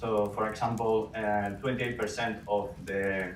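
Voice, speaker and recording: In a Spanish accent, a man with a fairly low pitch speaks at a moderate pace with fairly even intonation, and audible room echo is heard. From Spain. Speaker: ecology PhD researcher. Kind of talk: conference presentation.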